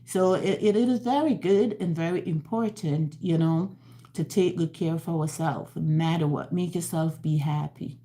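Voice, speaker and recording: A woman's voice: low-pitched, normal speed, warm tone, roomy sound. A woman in her sixties talking casually on a live stream from her home, earnest and encouraging, often repeating herself. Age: 60s. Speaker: vlogger.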